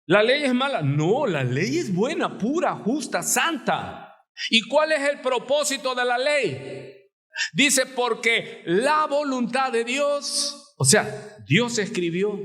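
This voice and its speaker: A man with a Mexican Spanish accent preaching a live sermon in a church, emphatic, jumping between loud high exclamations and low asides, often calling listeners brother. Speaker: pastor. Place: church sanctuary.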